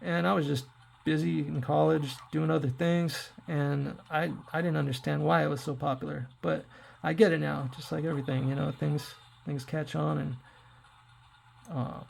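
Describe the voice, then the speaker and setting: A man in his forties talks his way through a handheld game session, addressing viewers in loose, rambling asides. His voice is worn and hoarse, deeply gravelly and raspy, and sits a touch higher than most men's. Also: steady tone, moderate pace, darkish tone, slight background noise. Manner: rambling, chatty, talks to viewers while playing. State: hoarse from throat trouble. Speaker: tech reviewer playing retro games. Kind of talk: casual gameplay commentary.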